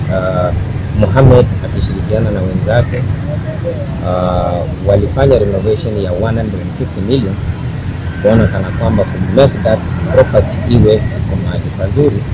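A middle-aged man with a Kenyan accent, an advocacy group coordinator, firmly speaking to reporters outdoors. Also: deep voice. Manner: mixes Swahili and English, firm advocacy tone. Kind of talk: street interview statement. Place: outdoors on a city street by trees. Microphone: handheld reporter mic close. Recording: loud outdoor traffic noise. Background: traffic and street ambience.

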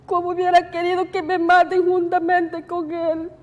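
A woman with a very high, thin voice gives testimony at a public hearing. She speaks in a halting, grief-laden way. Her words ring out with a long reverb from a large hall. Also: monotone. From Peru. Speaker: witness giving testimony.

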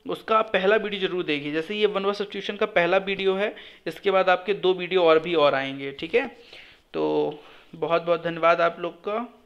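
A man's voice: sits high, a bit bright, dull audio. A young man teaching an exam lesson in a classroom style, explaining step by step, asking his own questions and answering them, and repeating each answer. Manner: reads English phrases slowly, word by word.

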